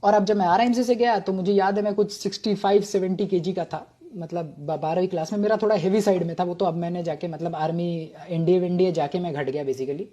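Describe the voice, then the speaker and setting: Husky, mellow-voiced man telling a story. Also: high-pitched, fairly even intonation, a little fast, hardly any pauses. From Bengal. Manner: humorous, self-mocking, chatty with fillers. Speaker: retired army officer telling his story. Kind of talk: casual storytelling monologue.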